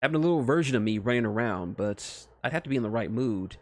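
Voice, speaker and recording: A man's voice: mid-range voice, animated, quick pace, natural voice. A man voicing a cocky, playful young male hedgehog hero in a casual, teasing, slangy manner, reading a story aloud. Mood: easygoing.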